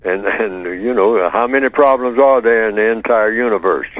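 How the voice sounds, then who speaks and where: An older man on a call-in radio show, explaining his ideas in a measured way and repeating key words for emphasis. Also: fairly low pitch, no room sound. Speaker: radio show guest answering callers. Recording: tinny phone line, dry.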